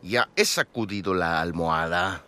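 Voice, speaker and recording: A man's voice: low-pitched, normal speed, bright, forceful tone, big-room sound. A man playing a grumbling, sarcastic character in a scripted radio drama. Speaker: Harry, the main character of a language-course radio drama.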